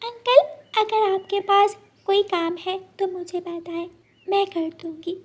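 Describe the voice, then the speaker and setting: A woman's voice: extremely high pitch, steady tone, a little slow, voice pushed up. A woman voicing an eager, earnest young girl bird in a cartoon story. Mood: pleading.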